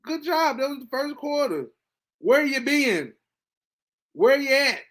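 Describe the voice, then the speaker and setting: Guy doing a sports podcast rant, casual and hyped, goes from low muttering to loud high excited bits. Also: slow pace. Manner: animated, swings between low mutters and excited high bursts. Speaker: podcast host. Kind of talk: casual sports reaction monologue.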